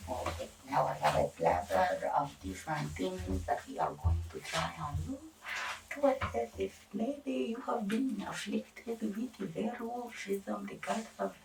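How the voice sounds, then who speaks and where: A woman playing an eccentric, fussy medical examiner in an ASMR roleplay, talking in a halting, rambling, repetitive and reassuring way. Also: mid-range voice, very animated, vocal fry, recorded from a distance, noisy background. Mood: explaining. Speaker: ASMR performer.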